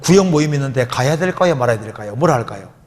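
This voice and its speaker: A man's voice: mid-range voice, animated, racing, a little mellow. A man preaching as a pastor, answering a listener's question, posing rhetorical questions and repeating his key words. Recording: long hall reverb.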